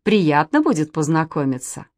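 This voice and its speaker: A hearty, polite middle-aged gentleman, as a woman puts him on, full of friendly exclamations in a storybook reading. His voice rises and falls a lot and sounds dry and close. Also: sits low, sing-song, moderate pace, no echo. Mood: cheerful. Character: cheerful chess-club acquaintance, middle-aged man.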